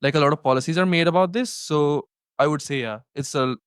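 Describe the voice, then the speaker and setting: A man's voice: a little high, brisk, clear, resonant tone, no echo. Young male student, hesitant casual answers, very dry, clean voice. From Punjab, India. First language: Punjabi. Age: young adult. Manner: hesitant, many fillers and restarts. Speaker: student interviewee.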